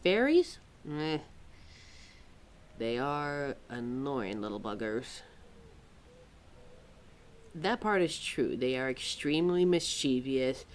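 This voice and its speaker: A quirky, motherly keeper of forgotten lore, played by a woman in an audio roleplay. She speaks slowly in a low female voice that rises and falls a great deal. Her manner is wry and a little exasperated, with musing asides to the listener. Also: very animated, full character voice. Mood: wry, amused. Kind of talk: ad-libbed ASMR-style roleplay, talking to a listener.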